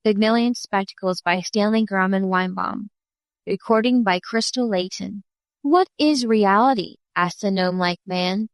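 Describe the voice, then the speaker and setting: A woman with a mid-range voice reads a classic short story clearly and evenly. She gives the characters a light touch of voicing. The sound is dry and close. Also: mid-range voice, unhurried, dry recording. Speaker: audiobook reader. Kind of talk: scripted narration of a classic story.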